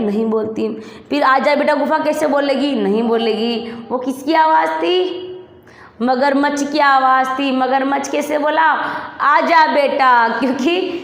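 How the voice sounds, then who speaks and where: A woman teaching a class in Hindi with a Rajasthani accent, reading a story and asking the children questions again and again. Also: high-pitched. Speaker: primary school teacher. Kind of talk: online class lesson, reading a story aloud. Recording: roomy echo, long reverb.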